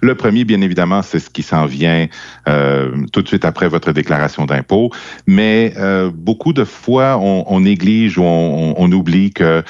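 Very low-voiced Quebec French man, slightly muffled. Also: darkish tone, no echo. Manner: halting, repeats words as he explains. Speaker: financial advisor guest. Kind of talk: unscripted podcast explanation. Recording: slightly dull, dry close recording.

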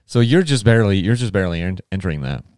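A man's voice: low voice, very animated, quick pace, a little mellow, smooth, no room sound, clean studio sound. A man hosting a casual interview, who rambles and restarts his questions often. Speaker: podcast host.

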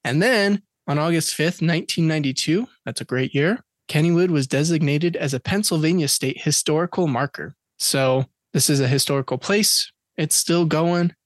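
A man's voice: fairly high pitch, moderate pace, few pauses, no room sound, clean studio sound. A man co-hosting a podcast in casual chat, reading out dates and facts with jokes along the way. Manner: chatty, joking, reads facts and dates aloud. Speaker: podcast co-host.

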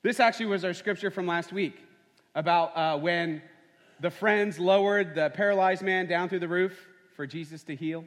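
A man's voice: high-pitched, moderate pace, a bit bright. A man preaching a sermon as pastor, conversational and full of rhetorical questions. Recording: long hall reverb.

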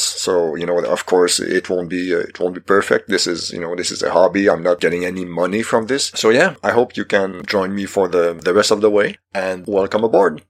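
A middle-aged man from Quebec whose first language is French, speaking English with a Québécois French accent as he hosts a casual solo podcast, rambling with many fillers and restarts. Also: low voice. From Quebec, Canada. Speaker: podcast host.

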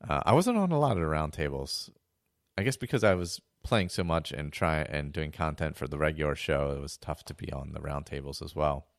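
A man hosting a podcast, talking casually and rambling with many restarts, hoarse as he is losing his voice. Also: a bass voice, animated, brisk, dry recording, studio quality. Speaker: podcast host. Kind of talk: casual monologue.

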